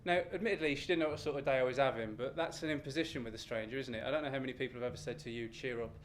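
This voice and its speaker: A British man telling an animated, ranting comic story live on stage, exasperated, self-deprecating and sweary. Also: mid-range voice, racing. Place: live storytelling event with room ambience. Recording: noisy live venue recording.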